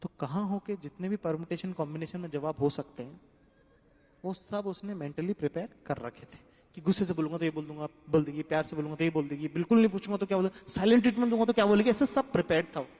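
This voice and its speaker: A man doing stand-up comedy in Hindi, telling a story with acted-out quotes and moving from hushed asides to shouting. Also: on the high side, fast talker. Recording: echoey hall with audience noise.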